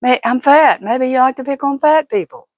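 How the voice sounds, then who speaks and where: A woman's voice: sits high, moderate pace, dry recording, muffled recording. An older woman vlogger talking casually and giving opinions in an emphatic, folksy, fussing manner.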